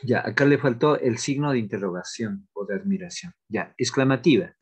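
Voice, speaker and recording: A man teaching an online grammar class, talking haltingly with many fillers and restarts, and repeating example sentences aloud. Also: medium pitch, husky.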